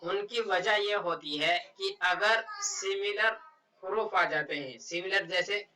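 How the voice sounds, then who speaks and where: A man gives a Quran reading lesson, drawing out each Arabic syllable at an unhurried pace. His voice sits high and very bright. He sounds a little distant from the mic. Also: very animated. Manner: slow, drawn-out syllable-by-syllable spelling of Arabic words. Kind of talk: step-by-step recitation lesson.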